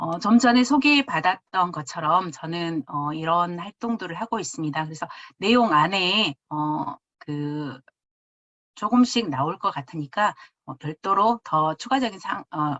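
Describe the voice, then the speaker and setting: A woman's fairly low voice with lively intonation. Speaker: lecturer, educator. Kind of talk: online lecture. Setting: online live lecture. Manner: fast-speaking.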